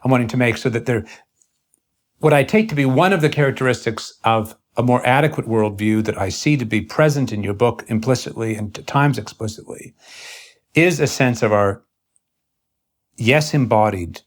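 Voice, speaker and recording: A man interviewing in an earnest intellectual conversation, speaking in formal academic phrases with a halting, searching delivery. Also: medium pitch.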